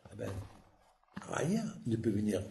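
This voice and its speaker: A man, a rabbi, preaching a sermon and telling stories with lively acted-out dialogue. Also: lowish voice, slow, gravelly. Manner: lively storytelling, acts out dialogue. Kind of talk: sermon with anecdotes. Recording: echoey hall with faint noise.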